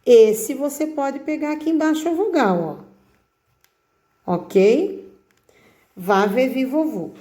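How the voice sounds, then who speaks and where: A woman teacher guides pupils through a handwriting lesson at an unhurried pace. Her voice is mellow and warm rather than bright. She coaxes gently and keeps checking that everyone is following. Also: mid-range voice. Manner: coaxing, with frequent check-ins like "tá?" and "ó". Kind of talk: slow, patient handwriting lesson.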